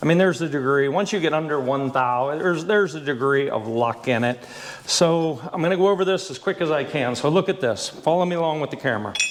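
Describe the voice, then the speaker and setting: A man talks at a very fast pace with lively intonation. Noticeable background noise is present. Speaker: gunsmith. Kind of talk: tutorial.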